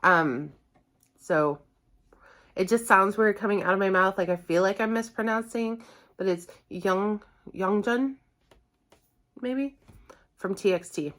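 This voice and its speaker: A woman's voice: mid-range voice, slow pace, pauses often, a bit bright. A woman hosting a reaction channel, chatting casually to viewers in a rambling, self-correcting and somewhat apologetic way. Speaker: host of a music reaction channel.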